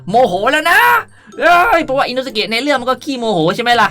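A young man talks through a casual gaming tutorial in a bright, forward voice. He is playful and animated, ending sentences in a cute, polite way. Music plays behind him. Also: extremely high pitch, quick pace. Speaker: gaming video host. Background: background music.

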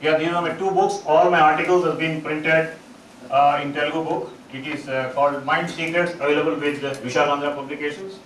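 A middle-aged man with an Indian English accent gives a halting conference talk as a psychologist, full of uh fillers and restarts, on a large auditorium stage. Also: on the high side, fairly even intonation, a bit bright. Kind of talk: conference presentation. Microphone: distant room mic, speaker standing on stage. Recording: echoey auditorium, far from mic, noisy.

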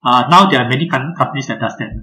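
An older man presenting a talk over a video call, speaking in a measured way and often pausing on "uh". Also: mid-range voice, bright, forceful tone, slight background noise, poor audio. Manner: measured, many filler uhs, addresses the audience directly. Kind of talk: webinar presentation.

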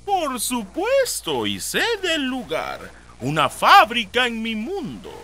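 A man with a Latin American Spanish accent voicing an eerie, coaxing sleep fairy creature in a sing-song, cloyingly friendly way for an animated horror short. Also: very high voice, takes it slowly, slight background noise, voice pushed up, exaggerated voice. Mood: luring.

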